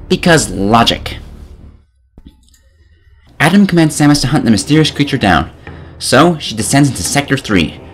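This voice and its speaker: A man narrating a scripted comedic video game review in a sarcastic, mock-dramatic manner. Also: mid-range voice.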